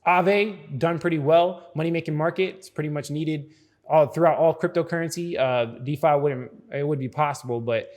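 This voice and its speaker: A man with a voice pitched a little above average hosts a casual explainer. He talks informally and directly to his viewers, often checking that they follow along. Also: moderate pace, darkish tone. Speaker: host of a crypto explainer video.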